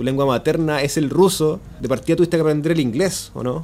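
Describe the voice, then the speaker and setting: With a Chilean accent, a man speaks using ordinary pitch variation. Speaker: podcast host. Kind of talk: casual interview.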